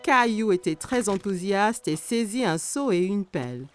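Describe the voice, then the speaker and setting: A woman reads a scripted story for children as narrator. Her expressive voice moves freely in pitch, with faint music underneath. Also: unhurried.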